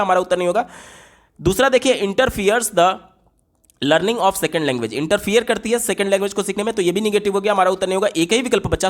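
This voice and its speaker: A man, a teacher working through exam questions. He reads the English question text slowly and explains it at length, repeating key points. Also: high voice. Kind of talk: exam-prep lesson explaining answer options.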